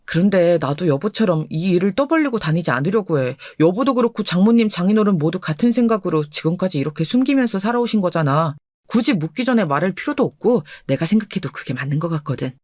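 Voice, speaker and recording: A humble, sweet-natured young husband , acted out by a performer, speaks eagerly and earnestly in a storybook radio drama. The voice sits at a middle pitch and is recorded close and dry. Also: expressive, fast talker, a little mellow, no room sound, lightly acted.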